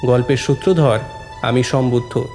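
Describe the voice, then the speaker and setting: A man's voice: mid-range voice, steady tone, moderate pace, dark tone, soft background music. A man presenting an audio story series, reading a scripted introduction as its announcer.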